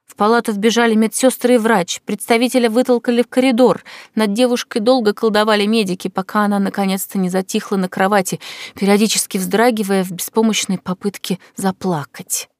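A woman narrates an audiobook with a measured, expressive delivery. Her voice sits in a middle pitch for a woman. The recording is dry and close, with no room sound. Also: no room sound.

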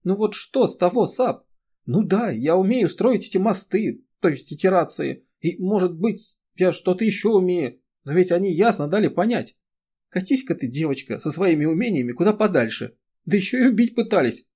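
A man's voice: medium pitch, lively intonation, creaky, warm tone, slightly rough. A male reader voicing a distressed young woman who falters and sobs as she pleads. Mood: tearful despair. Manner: pleading, halting, breaking into sobs. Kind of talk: audiobook character reading.

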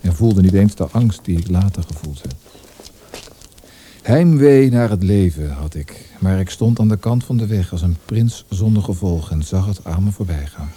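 A world-weary poet reminisces in a radio play. The voice is low and very mellow, measured and reflective, with faint noise on the recording. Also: male voice, lively intonation. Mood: melancholy. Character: world-weary male poet recalling his prodigy youth. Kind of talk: radio drama monologue.

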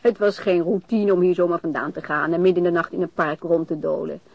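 A woman's voice: lowish voice, steady tone, fast, creaky, dry recording. An actress playing a frank, teasing, independent woman talking informally with her lover in a Dutch radio play. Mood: brisk, caring. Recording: muffled, dull radio drama recording.

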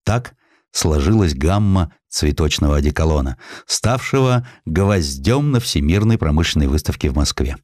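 A man narrating a historical sketch as an audiobook, telling it expressively and slowing down for quoted lines. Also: no echo, clean studio sound. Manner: expressive storytelling, voices quotes with shifts of pitch and slowing down.

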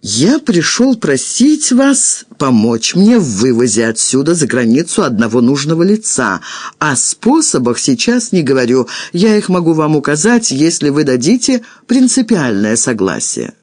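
A man reading the lines of a secretive male spy posing as a count, in a calm and persuasive manner. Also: fairly high pitch, normal speed, no room sound. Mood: measured. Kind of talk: audiobook character reading.

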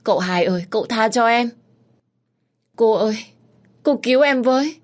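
A woman puts on a young servant girl in a storybook tale, her voice pitched high and strained as she begs for mercy. She sounds tearful and frightened, pleading rather than speaking. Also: measured pace, lightly acted. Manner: begging, tearful.

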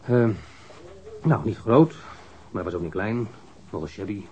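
A witness being questioned by police in a radio drama. His voice sits a little low. He answers haltingly and offhandedly, in plain colloquial words, feeling his way. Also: animated, mellow, highs cut off. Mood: hesitant. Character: shabby-talking, hesitant male witness under police questioning.

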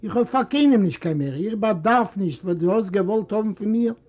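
A man voicing a stubborn, proud old immigrant father who shouts his refusals indignantly, a native Yiddish speaker. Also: high voice, lively intonation, fairly quick, pitched above the performer's own voice. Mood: defiant shouting. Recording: dull lo-fi recording.

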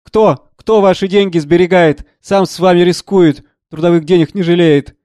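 A sneering, domineering moneyman who bullies and mocks everyone in the room, as a man reading a play puts him on. The voice sits a touch high for a man, close and completely dry. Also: steady tone, moderate pace, mellow, no echo, lightly acted. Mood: contemptuous. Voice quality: sneering, scornful. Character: rude domineering middle-aged man, blustering financier.

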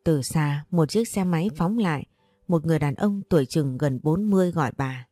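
A woman narrating a scripted story in a calm, measured way. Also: low voice, dry recording. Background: faint music.

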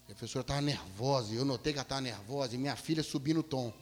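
A male pastor telling a story in a sermon, animated, swinging from loud bursts to hushed low tones. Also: rapid-fire. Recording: long hall reverb.

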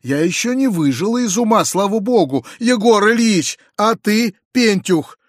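A man reading an audiobook, voicing a shrill, furious middle-aged noblewoman in an indignant screeching tirade. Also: expressive, normal speed, a little mellow, breathy edge, dry recording, studio quality. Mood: furious scolding. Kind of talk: audiobook character voice.

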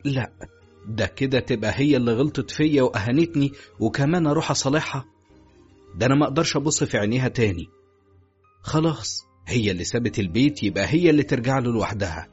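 A man's voice: medium pitch, quick pace, pauses often, darkish tone, slightly rough, faint music behind, close to an everyday voice. A man voicing a proud, hurt young husband brooding to himself in Egyptian Arabic. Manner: brooding inner monologue. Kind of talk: audiobook character voice. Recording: dull, lo-fi audio.

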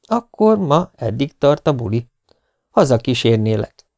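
A man doing a gentle, reassuring young DJ. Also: medium pitch, big pitch swings, creaky, dry recording. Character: calm, kind young male DJ. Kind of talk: audiobook character voice.

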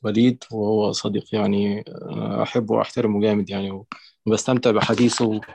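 A man with an Egyptian accent calling in to an online lecture, setting out his view slowly through many fillers and restarts. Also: on the low side, little pitch movement, vocal fry, darkish tone, slightly rough, no room sound. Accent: Egyptian Arabic. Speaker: caller. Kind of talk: call-in question on an online lecture.

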